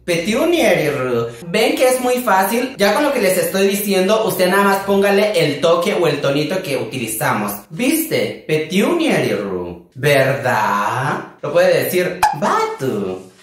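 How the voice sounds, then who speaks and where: A man's voice: lively intonation, moderate pace. A man from a Wixárika community in Mexico, with a Mexican Spanish accent and Wixárika as his first language, teaching words in a campy, sassy, theatrical way. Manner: campy, theatrical, sassy with sudden pitch jumps. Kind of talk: casual playful vocabulary lesson. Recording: very echoey room.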